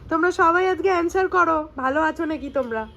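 A woman's voice: very high-pitched, fast, gravelly, a bit bright, dull audio, slight background noise. A young woman, a mother, chatting in a family vlog and talking in affectionate baby talk to her small daughter. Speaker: vlogger mother. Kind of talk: casual family vlog chat.

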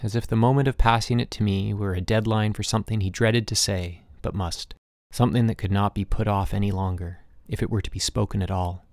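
A man narrating a literary short story as an audiobook, in a measured, reflective storytelling manner. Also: on the low side, steady tone, a little mellow, dry recording, studio quality.

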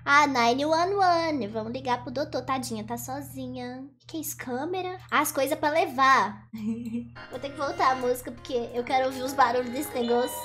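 High-voiced giggly young woman gamer. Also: moderate pace, fairly bright tone. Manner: chatty, giggly, exclaiming, teasing. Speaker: gaming YouTuber. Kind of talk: casual gameplay commentary. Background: game music.

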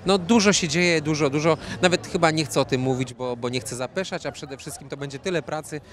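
A man's voice: on the high side, a little fast. Man chatting at a gala. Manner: relaxed, rambling with many fillers and repeated words. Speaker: interview guest, fashion designer. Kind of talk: red-carpet interview. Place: outdoor evening gala. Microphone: handheld reporter mic.

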